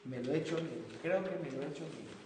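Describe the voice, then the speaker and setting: A man's voice: a little high, racing. A man, a pastor, teaching church teachers in an earnest, conversational way, often calling his listeners brother. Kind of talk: informal church teaching talk. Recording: echoey hall, distant mic, faint noise.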